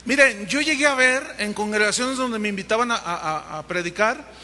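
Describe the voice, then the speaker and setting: A man's voice: high voice, moderate pace, pushed and bright. A male pastor with a Mexican accent preaching a sermon, emphatic and driving his points home through repetition. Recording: long hall reverb, faint noise.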